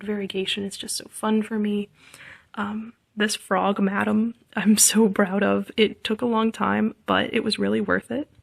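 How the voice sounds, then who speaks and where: Flat and monotone, a woman's somewhat breathy voice with an American accent comes through in a dry, close sound with no echo. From coastal Virginia, US. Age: 20s. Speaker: embroiderer. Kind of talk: show-and-tell monologue.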